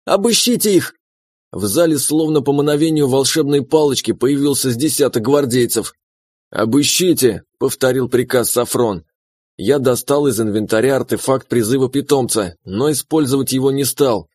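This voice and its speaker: A man narrating a fantasy game novel in the first person at a measured, steady pace. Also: mid-range voice, dry recording. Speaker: audiobook narrator.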